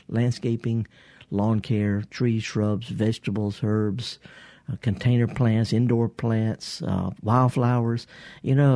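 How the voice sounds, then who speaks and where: Folksy radio host, a man, husky and warm-toned, close and dry in the studio. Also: medium pitch, no echo. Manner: folksy, rambling, chuckling. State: husky from pollen. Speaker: radio gardening show host. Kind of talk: casual radio call-in talk. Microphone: studio microphone.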